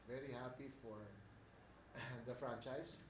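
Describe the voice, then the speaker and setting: Older man, Filipino accent, many fillers and pauses, roomy sound, noisy background. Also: mid-range voice, fairly even intonation. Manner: switches between English and Tagalog, halting with many fillers. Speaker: basketball head coach. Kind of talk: postgame press conference answers. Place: press room with sponsor backdrop. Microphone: table mic on stand. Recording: echoey room with background noise.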